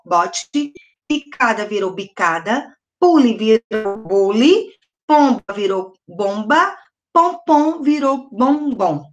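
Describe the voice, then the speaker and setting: A middle-aged woman with a Brazilian accent and a slightly high voice leads a video lesson for young children. She speaks patiently, asks questions and answers them herself, and stretches words out slowly into syllables. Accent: Brazilian Portuguese. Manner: slow, sounding out words syllable by syllable. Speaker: primary school teacher. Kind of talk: recorded video lesson for first graders.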